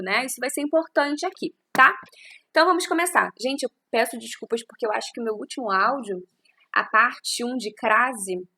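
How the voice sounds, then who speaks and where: A woman from Brazil records a teaching lesson close to the microphone. Her voice sits a little high and sounds bright and clear. She explains step by step and keeps checking in with her listeners. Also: a little hiss or hum. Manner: explanatory, frequent tag questions. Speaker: Portuguese teacher.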